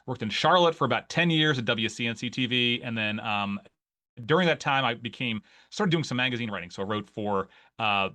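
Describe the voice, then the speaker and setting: A man in his forties with an Ohio accent, chatting as a guest in an interview. His voice sounds bright and forward, sitting at an ordinary pitch for a man. He rambles, circling back with fillers and restarts. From Northeast Ohio. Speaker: guest, newsletter writer. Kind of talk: casual interview conversation.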